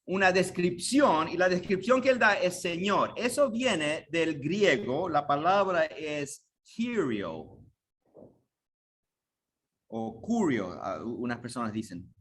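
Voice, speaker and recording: Man, preacher, earnest sermon, high-pitched, rhetorical questions, faint background noise. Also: big pitch swings, slow pace, fairly bright tone. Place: church sanctuary.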